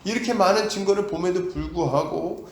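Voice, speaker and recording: A man's voice: sits high, fairly quick, darkish tone, roomy sound. A male pastor preaching an emphatic sermon, asking his congregation rhetorical questions and acting out the voices of doubters. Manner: acts out quoted voices of doubters and of God. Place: church.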